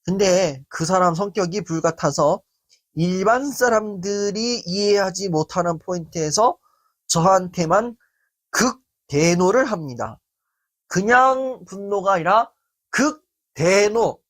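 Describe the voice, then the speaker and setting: A man giving a self-esteem lecture and answering a viewer's letter. He speaks in an animated way and acts out quoted speech. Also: high voice, a little slow. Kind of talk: talk-show style self-esteem lecture.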